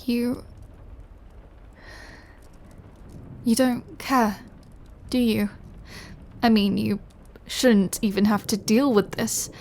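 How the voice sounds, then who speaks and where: A woman playing a remorseful, lovesick female vampire in an intimate audio roleplay, speaking in a hesitant, confessional way that often softens toward a whisper. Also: a little high, fairly even intonation, slight background noise. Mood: hurt, hesitant. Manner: hesitant, halting, confessional, with soft breathy drops. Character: remorseful, lovesick female vampire craving her lover's blood.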